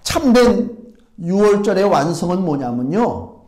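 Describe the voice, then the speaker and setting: Male pastor, animated sermon delivery, swings from loud to quiet. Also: sits high, a little slow. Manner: lively preaching, rhetorical questions, shifts from loud to hushed. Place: church sanctuary.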